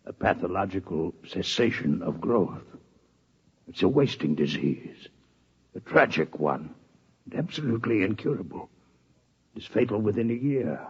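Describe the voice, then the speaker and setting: An actor playing a scholarly six-legged alien doctor in a radio drama, speaking formally and precisely, courteous and intensely curious, with a husky voice. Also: male voice, deep voice, expressive, full character voice. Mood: grave, musing. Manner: formal, measured, precise diction. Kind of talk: 1950s radio drama acting. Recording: muffled old radio broadcast recording.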